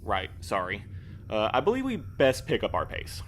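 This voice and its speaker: A man's voice: lowish voice, huge pitch swings, normal speed, fairly bright tone, a little hiss or hum, heavily acted. A man playing a prim, reserved, rule-minded boss in an audio drama, speaking formally and with pedantic precision. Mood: uneasy.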